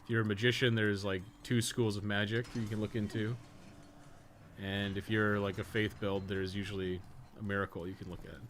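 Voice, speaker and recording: Low-pitched man casually streaming a game. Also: flat delivery, fairly quick, a bit bright. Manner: rambling, frequently swearing, slangy. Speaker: livestreamer, podcast co-host. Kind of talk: casual gaming stream commentary. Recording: noticeable background noise.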